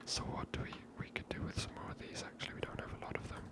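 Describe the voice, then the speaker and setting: A host giving casual, hushed and unhurried ASMR commentary on a game in a whisper.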